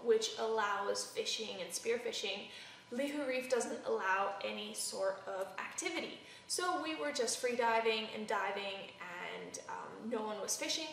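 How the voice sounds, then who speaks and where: A woman's voice: on the high side, vocal fry, slight background noise. A woman narrating her ocean vlog in a plain, explanatory storytelling way. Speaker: ocean vlogger. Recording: roomy sound from far off.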